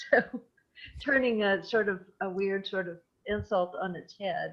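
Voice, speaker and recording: Her Southern US accent comes through as she talks, her pitch rising and falling in an ordinary way. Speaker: poet and interviewer. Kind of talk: interview. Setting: video call.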